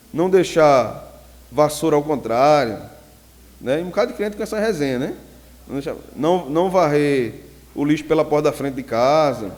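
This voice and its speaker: A man preaching as a pastor, teaching and telling jokey stories from his own life. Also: a little high. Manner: lively storyteller who jokes with the audience. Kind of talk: teaching sermon with personal anecdotes. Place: church hall. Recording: long reverb of a church hall.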